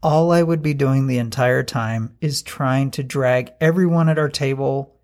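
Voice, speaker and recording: A man's voice: mid-range voice, moderate pace, darkish tone. A wisecracking man co-hosting a podcast in casual chat, with wry remarks. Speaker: podcast co-host.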